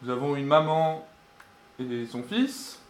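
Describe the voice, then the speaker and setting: A man's voice: on the high side, lively intonation, slow, slight background noise. A man giving a sermon and reading scripture aloud, speaking hesitantly with many fillers and asking his listeners questions. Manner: asks the audience questions. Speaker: preacher.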